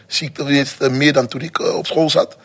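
The man's voice is somewhat breathy. It sits at a fairly high pitch. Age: 40s. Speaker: entrepreneur, coworking space co-founder. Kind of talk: panel conversation before live audience.

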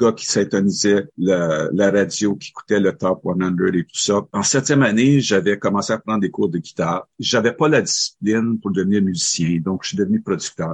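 With a normal speaking voice, a man talks at a moderate pace and fairly low pitch, ordinary pitch variation, and hardly any pauses. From Northern Ontario, Sudbury area. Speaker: festival spokesperson. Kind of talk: interview.

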